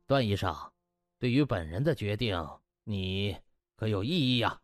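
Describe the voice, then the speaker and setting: A man's voice: lowish voice, expressive, a little slow, no echo, clean studio sound, voice pushed down. A man voicing a smug, pompous male hospital boss who speechifies officially with false kindliness, in an audiobook.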